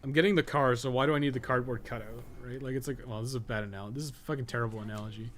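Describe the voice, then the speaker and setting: A man with a mid-pitched voice commentates his own gameplay on a live stream. He rambles casually, swears freely and mutters asides to himself. The recording carries some faint noise. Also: fairly even intonation, rapid-fire. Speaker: podcast co-host playing a game on a live stream.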